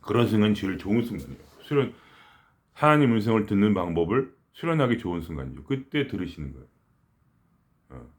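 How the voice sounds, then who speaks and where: Rambling man with a lively voice. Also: on the low side, fast. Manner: rambling, conversational, frequent restarts and self-corrections. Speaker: spiritual teacher. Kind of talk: casual spiritual talk.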